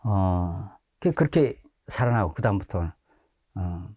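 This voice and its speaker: A middle-aged pastor from Korea, telling his testimony in lively storytelling style and acting out quoted shouts. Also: deep voice, measured pace, no echo, clean studio sound. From North Korea.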